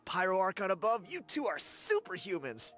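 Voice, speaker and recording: An actor playing a friendly, upbeat young tribesman in a video game, talking warmly and enthusiastically. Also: sits high, wildly swooping pitch, normal speed, faint music behind, heavily acted. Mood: enthusiastic. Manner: warm and enthusiastic.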